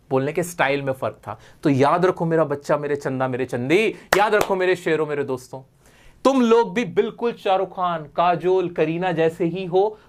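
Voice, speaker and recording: A man teaching spoken English online in a lively, coaxing way, repeating points and asking rhetorical questions. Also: high-pitched. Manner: lively, coaxing, affectionate toward students.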